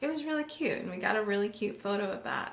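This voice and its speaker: A woman with an American accent talks at a fairly quick pace with ordinary pitch variation, amid noticeable background noise and audible room echo. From Wisconsin, US. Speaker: wedding photographer. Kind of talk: interview. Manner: casual, many filler words.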